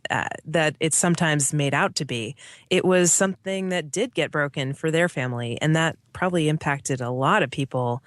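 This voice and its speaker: A woman's voice: sits low, dry recording. Earnest thirty-year-old woman guest, dry. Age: 30s. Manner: earnest, thoughtful, with frequent "like" and "right?". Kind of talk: casual interview chat.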